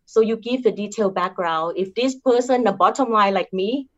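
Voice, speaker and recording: A woman's voice: mid-range voice, moderate pace, dull audio. A woman with a Thai accent, a guest in an interview giving career advice in an earnest way, often ending points with "right?". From Thailand. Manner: earnest, repeats points with tag questions.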